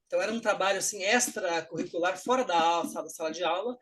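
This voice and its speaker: A man with a Brazilian Portuguese accent, a guest on a talk show, explaining things in an animated way. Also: high voice, quick pace, a little hiss or hum. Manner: animated explaining, with lively acted-out quotes. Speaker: guest, English teacher and actor. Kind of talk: casual interview talk.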